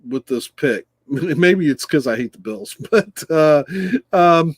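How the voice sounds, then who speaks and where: A man's voice: on the high side, animated, slow pace, no room sound. A man co-hosting a casual football picks show, hesitant and easygoing, often chuckling. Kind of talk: casual sports chat.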